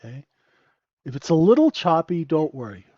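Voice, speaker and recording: Guy with a stuffed-up nasal voice walking thru trades live, kinda high, flat dry lo-fi sound. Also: moderate pace, dry recording. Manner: conversational, keeps asking "right?". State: stuffy nose, sniffling. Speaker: trading room host. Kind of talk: live trading commentary.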